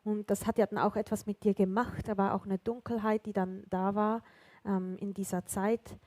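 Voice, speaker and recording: A woman's voice: mid-range voice, moderate pace, dry recording. A woman with a Swiss accent interviewing a guest on a church stage, friendly and encouraging. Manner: friendly, encouraging, lively questioning. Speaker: interviewer in a church talk service.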